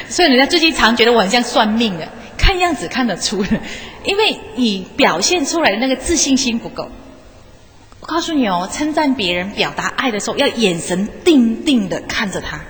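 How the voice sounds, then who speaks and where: Fairly quick and very animated, with a slightly high, fairly bright tone, a former teacher speaks live to an audience in a lecture hall. Her motivational talk is chatty and coaxing, full of questions for listeners. The recording is echoey, with faint noise behind.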